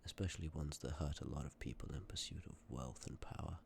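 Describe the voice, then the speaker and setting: A man playing a sympathetic, courteous Death in an ASMR roleplay, speaking with measured, formal politeness and often dropping toward a breathy whisper. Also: a bass voice, darkish tone, slight background noise, exaggerated voice. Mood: gentle, solemn. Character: sympathetic, courteous personification of Death, calm and ancient. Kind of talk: ASMR roleplay, scripted acting addressed to listener.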